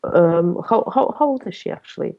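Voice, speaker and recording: A woman's voice: fairly low pitch, animated, moderate pace, lo-fi sound. A woman talks casually with friends in a teasing, argumentative way. She presses her points with repeated questions and often breaks into laughter. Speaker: participant in a group chat. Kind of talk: casual chat.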